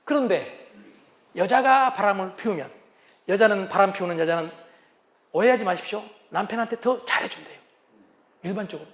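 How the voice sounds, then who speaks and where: A man giving a humorous lecture on couples' communication, animated and acting out what spouses say. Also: high-pitched, a little fast, pauses often. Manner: animated, acts out spouses' lines.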